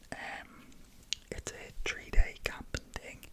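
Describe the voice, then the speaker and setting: Someone whispers in an Irish accent over noticeable background noise. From Ireland. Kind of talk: ASMR whisper ramble. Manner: whispered.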